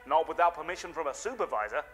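A high-pitched, relentlessly chipper safety-video presenter from the nineties. He lilts like a children's show host with something sinister underneath, over faint music. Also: animated, quick pace, a bit bright. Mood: perky, officious. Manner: exaggerated perky, singsong, enunciated. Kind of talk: scripted children's-show style corporate training video acting.

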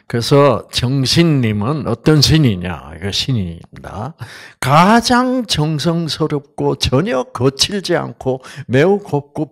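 A man with a Gyeongsang accent delivering a health lecture at an unhurried, stretched-out pace. His pitch swings widely through each line, and he sometimes sinks into a near whisper. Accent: Gyeongsang Korean. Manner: drawn-out, dropping to a whisper at times.

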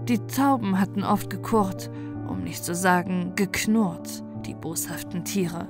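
A woman's voice: fairly low pitch, unhurried. A woman storyteller reading a scripted fairy-tale narration. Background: background music.

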